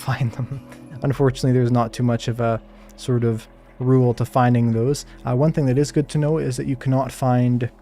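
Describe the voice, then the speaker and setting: A man giving calm, soft-spoken live gameplay commentary while answering chat questions, with plenty of hedges and fillers. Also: mid-range voice. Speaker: Minecraft streamer.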